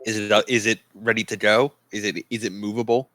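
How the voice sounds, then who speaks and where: Bright, dry-sounding male tabletop player. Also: fairly low pitch, level tone, a little fast, dry recording. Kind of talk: casual narration of character actions.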